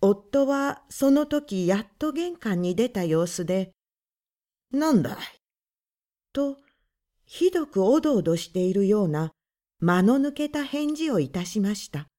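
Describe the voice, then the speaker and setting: A woman narrating a literary story aloud in a calm, measured, hushed first-person voice. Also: mid-range voice. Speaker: audiobook narrator.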